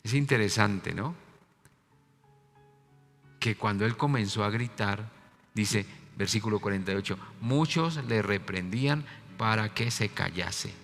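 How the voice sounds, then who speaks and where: A man preaching a sermon as pastor, emphatic and repeating key words, with his voice moving between loud and soft. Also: on the low side, measured pace, gravelly. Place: church sanctuary. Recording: reverberant church hall with faint music.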